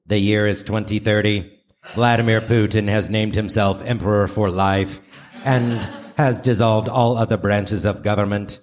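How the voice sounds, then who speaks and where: A man's voice: lowish voice, steady tone, normal speed. Male announcer-narrator, theatrical mock vintage radio delivery, live theater sound, a little noisy. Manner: theatrical, grandiose. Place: theater stage before audience.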